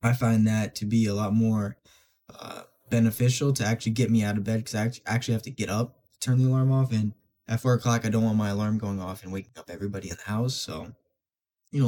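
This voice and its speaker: A man's voice: fairly low pitch, warm tone. A young man with a stuffy, congested nose hosts a solo self-improvement podcast, talking casually with frequent fillers and restarts. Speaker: podcast host.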